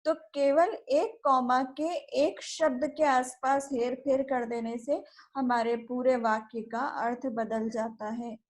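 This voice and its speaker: An Indian woman teaching English at a university, explaining in Hindi and mixing in English terms, and reading example sentences out slowly. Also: high-pitched, fairly even intonation. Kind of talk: recorded classroom lecture.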